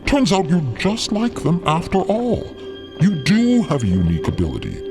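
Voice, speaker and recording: A man's voice: sits high, wildly swooping pitch, normal speed, music in the background, full character voice. A man playing a smug, manipulative and condescending schemer in an audio drama, with theatrical, needling delivery. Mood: taunting, grand. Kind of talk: dramatic audio fiction acting.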